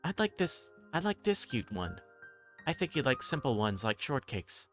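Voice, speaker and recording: Man putting on a high-voiced pushy woman. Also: sing-song, normal speed, fairly bright tone, faint music behind. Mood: gushing, chatty. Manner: pushy, chatty, familiar. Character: pushy, gushing adult woman customer.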